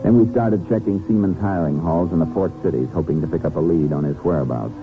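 An actor playing a calm, methodical, laconic Texas Ranger in a 1950s radio drama. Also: male voice, sits low, quick pace, over music. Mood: terse narrating. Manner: laconic, matter-of-fact, probing. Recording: muffled, noisy 1950s radio recording.

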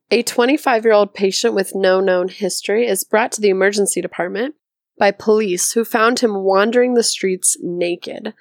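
Hoarse woman teaching medicine. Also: mid-range voice, a little mellow, dry recording, clean studio sound. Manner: methodical, thinks aloud step by step. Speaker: podcast host teaching medicine. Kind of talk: explaining a board exam question.

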